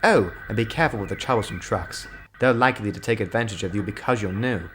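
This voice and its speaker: A man's voice: fairly low pitch, lively intonation, quick pace, slight background noise. A man voicing a kindly, polite older male engine who gives friendly advice, in a storybook reading. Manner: gentle, friendly, advising. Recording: music playing clearly behind.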